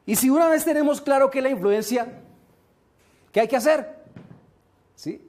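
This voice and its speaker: A man giving a motivational seminar talk, slow and emphatic, often asking rhetorical questions. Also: very high voice, a little mellow. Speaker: motivational speaker.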